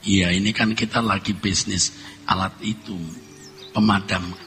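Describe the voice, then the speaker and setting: A man voicing a sheepish husband who mumbles evasive excuses to his wife, in a low, muttered voice, inside a sermon. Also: steady tone, unhurried, fairly bright tone, faint music behind.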